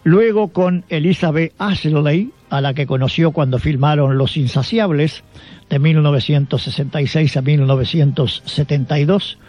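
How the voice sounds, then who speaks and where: A man's voice: on the high side, steady tone, normal speed, darkish tone. A man with an Argentine accent reading a scripted biographical narration as a radio show host. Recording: dull lo-fi sound with background music. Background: music.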